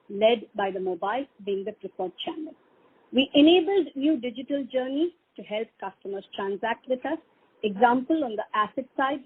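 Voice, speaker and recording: A woman's voice: fairly high pitch, breathy edge. A woman with an Indian accent reading a scripted corporate results presentation as a bank executive on a conference call. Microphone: conference call line. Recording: dull, lo-fi conference call line.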